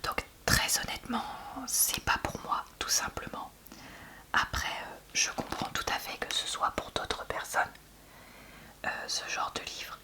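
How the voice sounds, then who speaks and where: A woman whispering softly in a library whisper, chatting candidly in a conversational ASMR book-review style. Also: unhurried. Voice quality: soft, breathy unvoiced library whisper. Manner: hushed, conversational, candid opinions.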